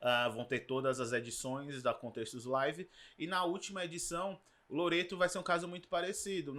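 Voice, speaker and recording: The man's voice has a bright, sharp tone. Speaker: archaeologist and live lecture host. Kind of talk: online lecture. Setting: solo live stream from home. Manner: casual, filler-heavy.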